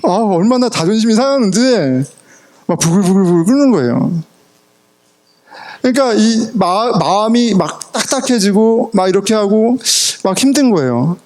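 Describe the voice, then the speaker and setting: A man's voice: sits high, moderate pace. A middle-aged man preaching a sermon as pastor, telling personal stories with laughter and English words mixed in. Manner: animated storytelling, laughs often, mixes in English words. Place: church sanctuary.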